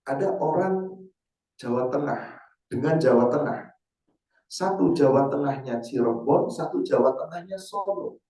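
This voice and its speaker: A man, an Islamic teacher, giving a casual sermon to a women's study group, quizzing the audience with rhetorical questions and reciting verses slowly. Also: medium pitch, lively intonation, warm tone. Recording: roomy hall, mic far off.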